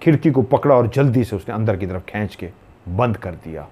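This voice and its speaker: A man's voice: on the low side, animated, fairly quick, warm tone, slight background noise. A man from Pakistan narrating a horror story in a dramatic, suspenseful way.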